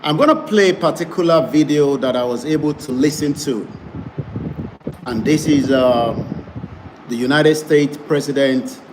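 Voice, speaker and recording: A man's voice: a little high, unhurried. Male web broadcaster, emphatic campaigning delivery, noisy recording. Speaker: online broadcaster. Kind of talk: advocacy broadcast. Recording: noisy background.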